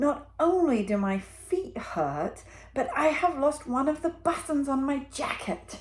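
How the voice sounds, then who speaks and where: High in pitch, a put-on character voice unfolds at a fairly slow pace. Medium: read story. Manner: fretful, complaining.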